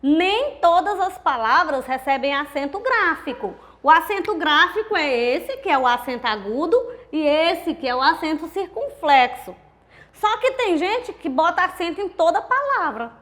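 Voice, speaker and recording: A woman with a Brazilian accent teaches a grammar lesson in a high, clear voice. She explains step by step, drawing words out and counting syllables aloud. She keeps asking the class rhetorical questions. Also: animated, normal speed, fairly bright tone. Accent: Brazilian Portuguese. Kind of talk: recorded grammar video lesson.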